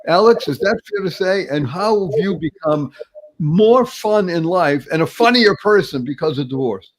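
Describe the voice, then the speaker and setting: A man's voice: high voice, animated, normal speed. A man hosting an online talk show in a showy, upbeat style, stringing together alliterative praise.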